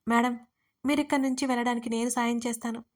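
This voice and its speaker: Lady narrator doing a tearful young maid, begging quietly, kinda high voice. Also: steady tone, fast talker, natural voice. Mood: pleading. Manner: pleading, hushed. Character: frightened young woman servant, tearful.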